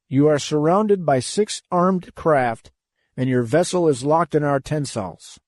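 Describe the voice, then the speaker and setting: A man's voice: fairly high pitch, darkish tone, no echo, studio quality, pitched above the performer's own voice, close to an everyday voice. A man voicing a male enemy commander who speaks with a foreign intonation, clipped and commanding.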